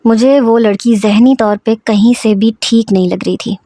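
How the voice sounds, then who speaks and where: A woman's voice: mid-range voice, fairly even intonation, warm tone, no echo. Woman telling a story, dry close voice. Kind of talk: scripted story narration.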